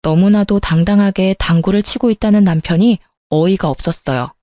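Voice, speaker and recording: A woman's voice: mid-range voice, brisk, warm tone, no echo, clean studio sound. A woman narrating a first-person true-life story in a confiding, emotional way.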